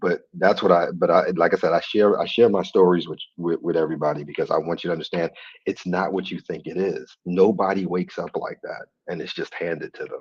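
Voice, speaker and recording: Fairly quick speech from a man, the sound dry and close with no echo. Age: 50s. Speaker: business owner. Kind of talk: casual chat.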